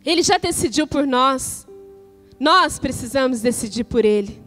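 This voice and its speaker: A woman pastor with a Brazilian Portuguese accent preaching a sermon in church, measured and declarative, with rhetorical questions. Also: high voice, expressive, a bit bright, faint music behind.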